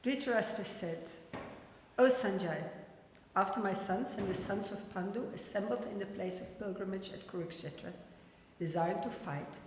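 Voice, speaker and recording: A woman's voice: mid-range voice, normal speed, darkish tone, slight background noise. Echoey woman giving a scripture lecture. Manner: explanatory, plain informal wording. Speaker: religious teacher giving a scripture class. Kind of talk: scripture lecture with recitation and explanation. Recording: very echoey, reverberant hall.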